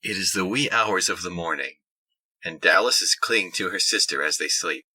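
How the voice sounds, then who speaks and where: A man's voice: deep voice, moderate pace, bright, forceful tone, breathy edge, rough recording. A man reading scripted narration for an audio drama.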